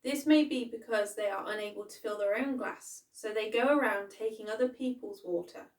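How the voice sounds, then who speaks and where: A woman reading aloud who voices a calm, wise old grandmother speaking gently but firmly. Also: medium pitch, lightly acted. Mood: teaching. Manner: gentle, unhurried, quietly firm. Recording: echoey room, far from the mic.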